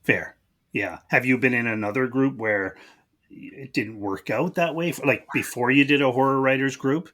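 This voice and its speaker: A man's voice: medium pitch, moderate pace, a bit bright. A man hosting a casual interview, giving short affirmations and asking follow-up questions. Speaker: podcast host, interviewer.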